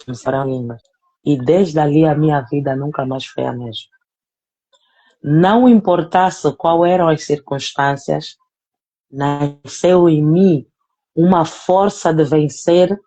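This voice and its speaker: A woman's voice: low-pitched, slow pace, mellow, husky. Earnest woman giving a faith testimony. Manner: earnest, emotional, speaks directly to the apostle; repeats phrases for emphasis.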